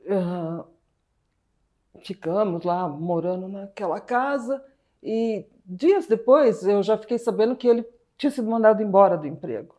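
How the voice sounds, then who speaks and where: A woman telling her own life story in a soft, hesitant, reflective way. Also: a little high. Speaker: storyteller recounting her marriage. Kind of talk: personal testimony.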